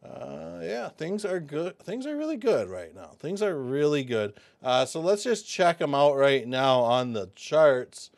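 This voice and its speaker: A man hosting a casual crypto commentary video, excitable and chatty, with lots of fillers, calling his viewers folks. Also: a little high, a little slow, gravelly, few pauses, dry recording.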